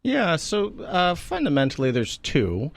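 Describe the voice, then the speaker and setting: A man, a city councillor, explaining his views in a measured way as a guest in a radio studio. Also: on the high side, huge pitch swings, vocal fry, no echo.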